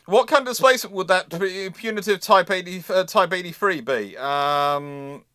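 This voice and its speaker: Male livestream host, slightly high voice, casual panel chat, halting when reading questions, very dry sound. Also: pushed and bright, no room sound.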